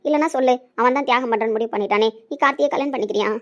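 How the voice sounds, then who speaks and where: Acting as a distraught middle-aged mother in a Tamil family web drama, a woman alternates between begging and scolding. She talks rapidly in a voice a little high and close to her everyday one, and her delivery is urgent and emotional.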